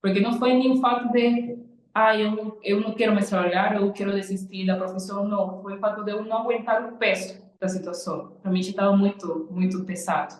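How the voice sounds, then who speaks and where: A woman's voice: medium pitch, fairly even intonation, brisk. A young Cuban woman, a nail designer, earnestly telling her personal story in an interview. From Cuba. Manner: earnest, repeats "literalmente" and "tipo". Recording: echoey room.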